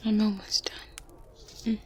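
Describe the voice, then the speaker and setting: In an ASMR roleplay, a woman plays a good witch who is strict yet kind and gently teasing, whispering breathily and softly into a close binaural mic. Her voice is natural, soothing and assured, slow and gentle with murmured hums and soft chuckles. Medieval ambience and other ambient background noise can be heard.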